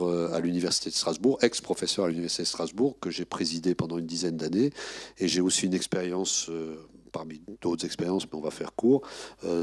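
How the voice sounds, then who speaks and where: A man's voice: low-pitched, slightly rough. An older man presiding an exam jury, giving a formal presentation with frequent hesitations and restarts. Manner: hesitant, many fillers and restarts. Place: conference room.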